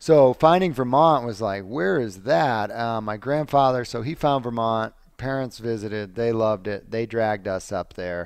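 A man with an American accent and a normal speaking voice talks at a medium pitch and moderate pace, with ordinary pitch variation, hardly any pauses and a quiet background. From Cape Cod, Massachusetts, US. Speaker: professional snowboarder and climate activist. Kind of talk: casual interview chat.

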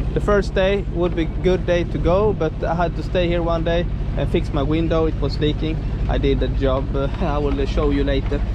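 A man's voice comes through dry and echo-free against loud background noise. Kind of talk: casual vlog chat. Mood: relieved, relaxed. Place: boat. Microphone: camera far.

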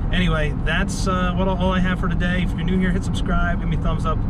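Very fast speech over loud background noise, with a dry sound and no echo. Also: man. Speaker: kart hobbyist vlogger. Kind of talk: casual vlog chat. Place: car. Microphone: phone near.

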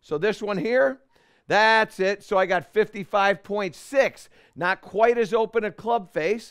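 A man with a high pitch and ordinary pitch variation against a quiet background. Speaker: golf instructor. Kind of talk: tutorial. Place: studio. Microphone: headset.

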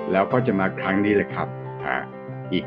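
Over clear music in the background, a man speaks in a relaxed tone. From Thailand. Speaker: commercial voice-over announcer, TikTok creator. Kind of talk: casual interview answer. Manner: relaxed, conversational. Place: home room. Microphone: video call.

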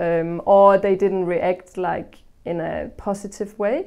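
With a Danish accent, a woman speaks at medium pitch in a dark, mellow tone with ordinary pitch variation against a quiet background. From Denmark (Aarhus). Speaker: musician. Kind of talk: interview. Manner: hesitant, with fillers. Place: home room.

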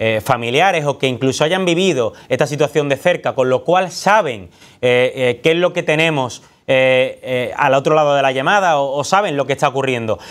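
Over a quiet background, a man with a Sevillian accent speaks at a moderate pace in a fairly high pitch, his loudness very even. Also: ordinary pitch variation. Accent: Andalusian Spanish (Sevillian). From Seville, Spain. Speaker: TV presenter. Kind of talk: TV talk show hosting. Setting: TV studio. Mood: serious, somber news. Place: studio. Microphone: lapel.

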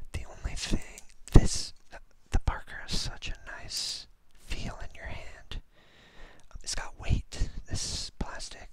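A man whispers at a very slow pace, leaving long, frequent pauses. His loudness swings widely. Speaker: pen reviewer. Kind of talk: casual product review talk to camera. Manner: whispered. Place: home room. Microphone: phone near.

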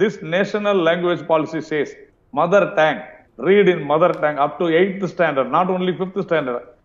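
Speaking with a Tamil accent, a man has a high pitch, ordinary pitch variation, and a moderate pace. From India, Tamil Nadu. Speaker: political spokesperson. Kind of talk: heated debate. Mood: argumentative, insistent. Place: home room. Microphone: video call.

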